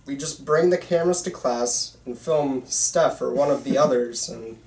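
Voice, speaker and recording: Playing a young filmmaker at an amateur table read, this man delivers casual lines at a moderate pace with a medium-pitched, somewhat mellow tone. It sounds as though the microphone sits far off in an echoey room, with a little noise underneath.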